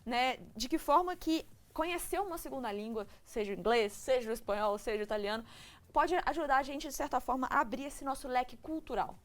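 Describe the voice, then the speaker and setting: A woman's voice: sits high, animated, brisk. A woman with a Brazilian Portuguese accent co-hosting a TV interview, asking framing questions in long linked clauses. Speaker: TV morning show co-host. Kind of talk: TV studio interview.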